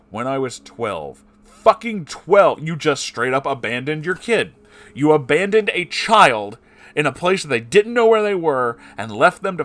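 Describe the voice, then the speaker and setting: A man's voice: mid-range voice, a bit bright. A man, the host, reading a personal post aloud and breaking off into heated, profane asides with heavy sighs. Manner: swears a lot in angry, sighing asides between passages.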